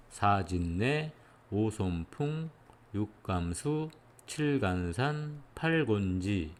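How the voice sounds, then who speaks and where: Male lecturer, lowish voice, calm and methodical, walks through each point with small affirmations. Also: a little hiss or hum. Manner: patient, step-by-step explaining with frequent "예" check-ins. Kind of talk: explanatory lecture.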